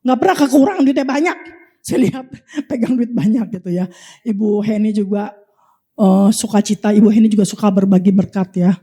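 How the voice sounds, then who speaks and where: A woman with an Indonesian accent preaching an animated sermon, telling testimonies and prophesying over the congregation. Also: medium pitch, a little fast, breathy edge. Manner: animated, repeatedly addressing the congregation.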